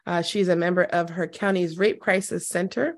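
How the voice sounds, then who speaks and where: A woman hosting a casual podcast interview, hoarse and scratchy after losing her voice, laughing often and poking fun at herself. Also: on the low side, steady tone, moderate pace. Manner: laughs often, self-deprecating. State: hoarse, lost voice. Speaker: podcast host.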